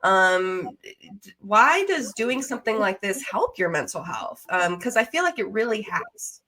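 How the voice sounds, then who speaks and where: A woman hosts a podcast with a very animated, swinging intonation. Her voice sits at an average pitch, and she interviews in a casual, conversational way. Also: measured pace. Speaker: podcast host.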